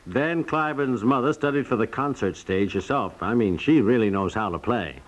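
A man playing an excitable, insistent husband and proud father in a 1950s radio comedy. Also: mid-range voice, normal speed, close to an everyday voice. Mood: firm. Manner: blustery, emphatic. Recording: slightly dull old radio recording.

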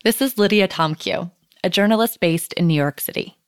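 A woman hosting a podcast, delivering polished, measured scripted narration. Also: medium pitch, smooth, dry recording, studio quality. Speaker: podcast host.

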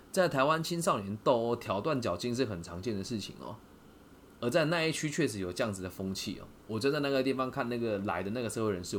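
A man with a Taiwanese Mandarin accent hosting a podcast, telling a story in a lively way and asking listeners rhetorical questions. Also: medium pitch, a little hiss or hum. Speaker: podcast host. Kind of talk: casual storytelling monologue.

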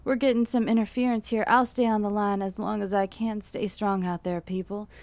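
An actress playing a calm, wry late-night radio DJ who keeps a steady on-air delivery. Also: female voice, medium pitch, brisk, dry recording, lightly acted. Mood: hushed. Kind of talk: radio drama acting.

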